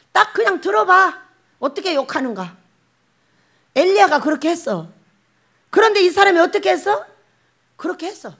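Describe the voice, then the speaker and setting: Animated high-voiced woman preaching. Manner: animated, acts out quoted voices, laughs often. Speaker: pastor. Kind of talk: sermon.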